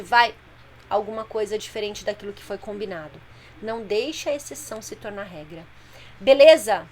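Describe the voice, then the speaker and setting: A woman parenting coach talking directly to mothers on a live stream, explaining plainly and patiently. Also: on the high side. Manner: explanatory, plain-spoken, addresses viewers directly.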